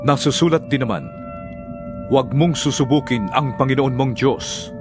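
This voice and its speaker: A man's voice: mid-range voice, normal speed, natural voice. An actor with a Filipino accent playing a resolute holy male teacher, firm and declarative, in a dramatized audio Bible. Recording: music under the voice.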